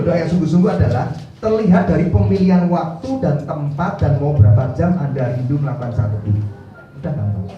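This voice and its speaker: Pastor guy preaching to his church, mic kinda far, big echo, music playing under. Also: sits high. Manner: lively preaching, addresses congregation, acts out quotes. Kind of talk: sermon. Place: church hall. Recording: roomy church hall from a distance with music.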